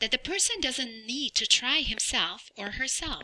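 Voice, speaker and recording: With a non-native accent, a woman speaks at a fairly slow pace with very wide pitch swings and a bright, sharp tone, in a dry, close sound with no echo. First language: not English. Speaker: English teacher. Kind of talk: tutorial. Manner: slow, clear teacher talk.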